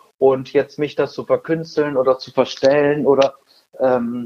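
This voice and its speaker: Fairly even in intonation, a man speaks in a dark, mellow tone. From northern Germany. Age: 40s. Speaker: sales trainer. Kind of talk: interview.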